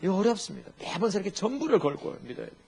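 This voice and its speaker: A male pastor delivers a sermon, humorous and animated, firing off rhetorical questions. His voice is somewhat husky and sits a bit high. His pitch rises and falls in a lively way. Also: racing.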